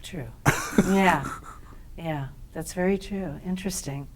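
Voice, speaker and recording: A woman's voice: fairly low pitch, slow pace. A woman hosting an interview show, asking questions and encouraging her guest. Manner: warmly encouraging, laughs along. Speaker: host. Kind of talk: casual interview.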